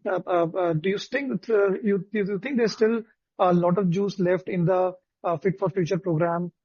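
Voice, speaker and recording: Male analyst, high-pitched, polite hesitant questioning, dull dry call audio. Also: darkish tone, husky, dry recording. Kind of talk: unscripted question on earnings call. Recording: dry but muffled phone conference audio.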